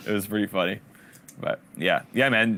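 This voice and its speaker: With a Canadian accent, a man talks at a moderate pace and a fairly low pitch. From Canada. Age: 30s. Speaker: livestream host. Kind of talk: casual chat. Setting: studio.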